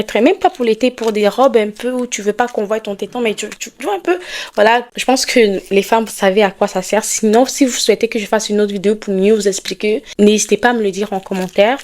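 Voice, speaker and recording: A young woman talks casually straight to her viewers. She is chatty and keeps checking in with a quick "ok?". Her voice sits at an ordinary middle pitch. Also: a little mellow. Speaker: vlogger promoting her products. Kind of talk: casual direct-to-camera vlog talk.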